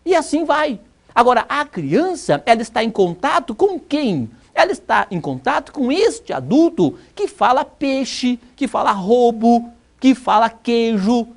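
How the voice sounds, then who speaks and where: A woman's voice: a little high, very animated, unhurried, darkish tone. A woman with a Brazilian accent giving a recorded university lecture, teaching by rhetorical questions and emphatic repetition. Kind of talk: recorded distance-learning lecture.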